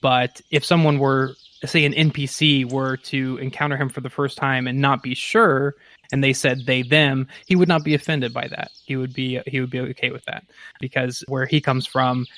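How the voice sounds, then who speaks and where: A man playing a tabletop role-playing game, casually describing his character in a thoughtful, halting way as he rephrases. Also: medium pitch, fairly bright tone.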